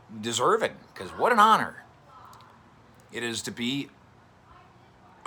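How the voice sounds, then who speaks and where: A quiet man's voice, medium-pitched, with lively intonation at a moderate pace. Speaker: sports reporter. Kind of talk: video commentary. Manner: quiet, held back.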